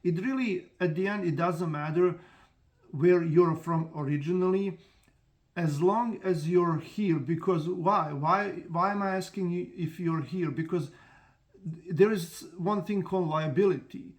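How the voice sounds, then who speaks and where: A man with as a talks frankly to camera, pitched a little above most men. He rambles, trips over restarts and fills pauses with "uh" as he goes. His tone is casual and direct, like someone explaining his own business. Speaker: trucking company owner and channel host. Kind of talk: casual vlog talk to camera.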